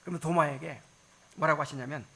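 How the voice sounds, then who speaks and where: A man's voice: on the high side, fast, vocal fry, sharp tone. A man preaching a sermon as pastor, talking conversationally and asking the congregation questions.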